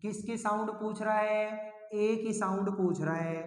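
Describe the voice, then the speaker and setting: A man teaching an English sound lesson, speaking slowly and repeating words, asking his students questions and answering them himself. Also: high-pitched, fairly even intonation, faint music behind. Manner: slow and repetitive, asks the class questions and answers them himself. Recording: echoey room with long reverb.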